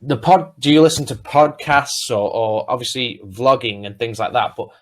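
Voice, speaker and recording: A man's voice: mid-range voice, moderate pace. A man from the north of England with a Manchester accent, an English tutor chatting with a student over a video call and asking follow-up questions. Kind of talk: casual video-call lesson chat.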